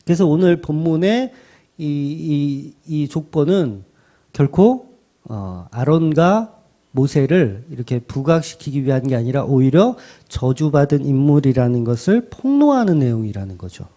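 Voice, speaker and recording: A man's voice: fairly high pitch, expressive, measured pace, warm tone. A man preaching as pastor in a conversational style, often starting sentences over. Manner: conversational preaching with many restarts and repeated "그러니까". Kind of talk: sermon.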